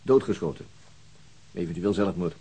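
An actor playing a businesslike police detective in a Dutch radio drama, asking probing, clipped questions with slight hesitations. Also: male voice, low-pitched, lively intonation, moderate pace, dark tone, husky, full character voice, poor audio. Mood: probing, matter-of-fact.

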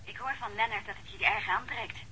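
A woman's voice: on the high side, fairly even intonation, brisk, sharp tone, husky, full character voice. A woman playing a frank, compassionate, self-effacing police helper in a radio crime drama, informal and a little hesitant, on a slightly noisy line. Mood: relieved, admiring.

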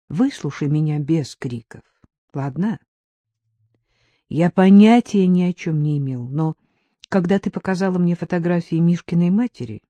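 A woman voicing a calm, firm middle-aged man who explains things in a level, measured way. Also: on the low side, no echo.

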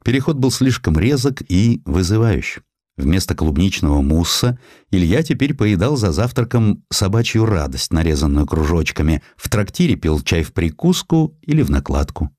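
Deep-voiced man narrating history. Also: sing-song, normal speed, darkish tone, no echo, clean studio sound. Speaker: audiobook narrator. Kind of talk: dramatic literary scripted narration of historical prose.

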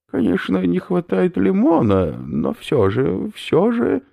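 A high, fussy old professor. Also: male voice, huge pitch swings, slow, vocal fry, dark tone, full character voice. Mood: lecturing. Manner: lecturing, genteel, pompous. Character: fussy elderly male professor, pedantic.

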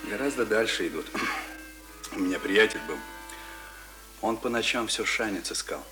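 A man's voice: on the low side, expressive, normal speed, over music, natural voice. Actor as talkative, self-important man with swooping intonation. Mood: matter-of-fact storytelling. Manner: boastful, pompous, folksy colloquial phrasing. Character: talkative middle-aged male print worker, self-important former drinker. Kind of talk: Russian radio drama acting.

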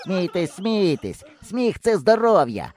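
A man reading an audiobook, voicing an excitable, boastful boy who exclaims and teases his friends. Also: sits high, a little slow, voice pushed up. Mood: persuasive. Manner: eager, exclaiming, sarcastic.

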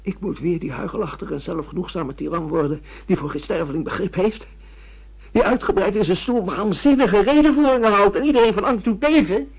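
A middle-aged amnesiac, bewildered and sardonic, with a theatrical turn of phrase. The voice is fairly high for a man and very husky, with rough creak. It sounds like a radio play on a dull, lo-fi recording. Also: fairly quick. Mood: sardonic, declamatory. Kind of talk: Dutch radio play acting.

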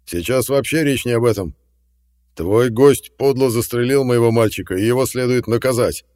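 A man voicing a boisterous, vengeful clan patriarch in an audiobook, jeering and shouting. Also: mid-range voice, moderate pace, big-room sound, pitched above the performer's own voice, close to an everyday voice. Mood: angry. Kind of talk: audiobook reading.

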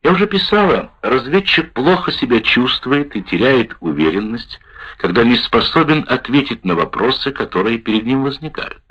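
A man reading a wartime memoir aloud in the first person, with a measured, expressive delivery. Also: mid-range voice, husky. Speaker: narrator. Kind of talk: audiobook narration of a wartime memoir. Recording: dull lo-fi recording.

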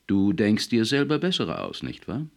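A man doing a brisk white-haired old boss. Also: on the low side, huge pitch swings, darkish tone, pitched above the performer's own voice. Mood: coaxing. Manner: coaxing, businesslike. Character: older man, dream-company boss, brisk.

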